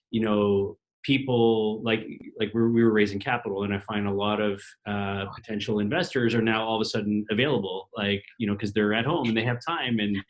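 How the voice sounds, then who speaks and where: A man's voice: lowish voice, rough recording. A man interviewing a guest over a remote call from home, rambling with many fillers and restarts.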